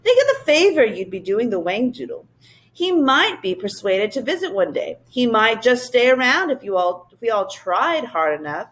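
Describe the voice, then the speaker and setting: A woman's voice: fairly high pitch, big pitch swings, moderate pace, rough recording. A woman doing a kindly wise old professor. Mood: earnest encouraging. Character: kindly wise male professor, gentle and encouraging.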